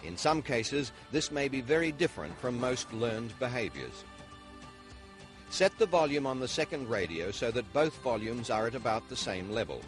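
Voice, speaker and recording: Male narrator, medium pitch, music behind, scripted instructional read, formal, measured, training video.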